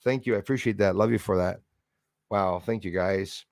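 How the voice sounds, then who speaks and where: Greeting viewers in chat, a livestream host talks casually, meandering in a chummy, conversational tone. He speaks somewhat low at a moderate pace, captured at studio quality with no room sound.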